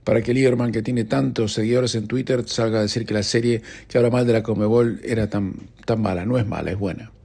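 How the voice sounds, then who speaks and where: A man's voice: fairly low pitch, steady tone, brisk, vocal fry, few pauses, a little mellow. A man with an Argentine accent hosting a radio news show, chatting casually with wry, ironic asides. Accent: Argentine Spanish. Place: radio studio.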